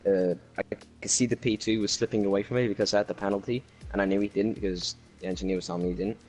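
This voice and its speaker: A man's voice: fairly low pitch, fairly even intonation, quick pace, a little mellow, soft background music, rough recording. A man with a Welsh accent talking casually about his race, with lots of fillers and restarts. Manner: rambling race recap with many fillers. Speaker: racing league driver. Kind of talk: casual post-race chat. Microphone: new home microphone.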